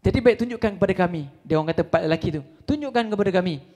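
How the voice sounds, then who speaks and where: A young man with a Malaysian Malay accent preaches a religious talk, retelling an old story and speaking the characters' lines himself. His voice sits high for a man, and he stretches Arabic phrases into a slow chant. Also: animated, a little mellow. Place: lobby hall before a live audience.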